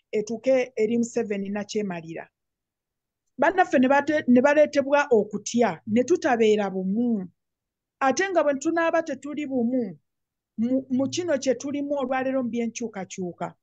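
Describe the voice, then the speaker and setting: A woman's voice: on the high side, mellow, no echo. A woman from Uganda with a Ugandan accent, giving an impromptu political address to an online group meeting. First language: Luganda. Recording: dull, dry online call.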